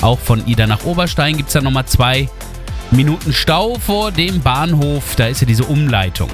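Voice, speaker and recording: A man's voice: mid-range voice, expressive, normal speed. A male radio host giving traffic and weather reports in a chatty way, speaking directly to his listeners from a studio. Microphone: studio microphone. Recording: music bed under the voice. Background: music bed under the talk.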